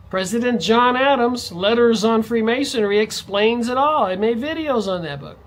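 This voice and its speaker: A man's voice: very high voice, fairly bright tone, rough recording. A man vlogging in a ranting monologue, his voice jumping up sharply on stressed words. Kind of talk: monologue to camera.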